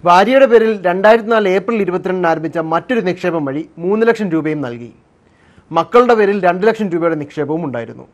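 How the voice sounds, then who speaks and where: A man's voice: sits high, animated, fast. A man reading a scripted investigative news narration as the programme's presenter.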